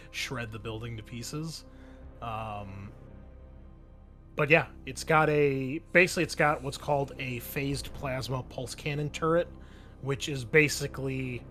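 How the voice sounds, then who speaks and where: A man narrating a tabletop game as game master, explaining things in an informal, improvised way. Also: mid-range voice.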